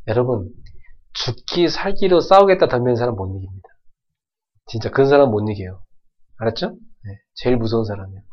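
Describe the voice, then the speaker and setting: A man's voice: medium pitch, dull audio. A man preaching a sermon as pastor, earnest, acting out prayers and building to fervent exhortation. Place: church sanctuary.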